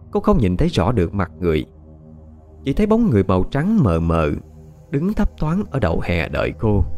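Low-voiced, expressive male storyteller. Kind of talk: audio story narration. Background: faint background music.

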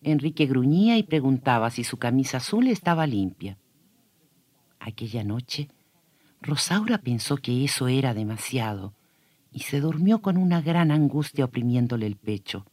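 A man's voice: mid-range voice, animated, normal speed, darkish tone, no room sound. A man telling a story on a children's radio show, speaking expressively and addressing young listeners directly.

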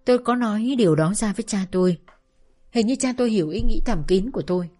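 A woman narrating a novel aloud in a calm, measured first-person reading. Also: medium pitch. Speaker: audiobook narrator. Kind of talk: scripted narration.

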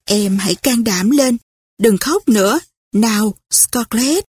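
A woman voicing a gentle, patient young sister-in-law in a storybook reading, with a soft, soothing manner. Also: a little high, animated, unhurried, husky, dry recording, studio quality.

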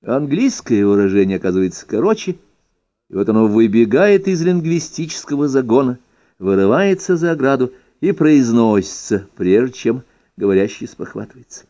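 Man, audiobook-style essay reading, mellow dark tone, animated ironic intonation, dull lo-fi sound. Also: medium pitch, normal speed. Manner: expressive, ironic, lively emphasis. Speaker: reader. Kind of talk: reading an ironic first-person essay aloud. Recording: dull lo-fi recording.

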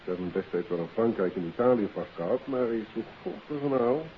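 An actor playing a matter-of-fact, dryly genial police inspector in a 1950s Dutch radio drama. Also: male voice, lowish voice, lively intonation, fast, close to an everyday voice. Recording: hissy, muffled old radio recording.

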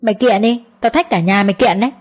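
Brief: woman reader as a domineering father-in-law, scolding and scornful, breathy tone. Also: medium pitch, quick pace, lightly acted. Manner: scolding, contemptuous.

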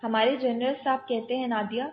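A woman voicing a calm, commanding young male army captain who steadily coaxes a frightened child, on dull lo-fi audio. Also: fairly high pitch, faint music behind, close to an everyday voice. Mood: coaxing. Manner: steady, coaxing, talks a frightened child through danger.

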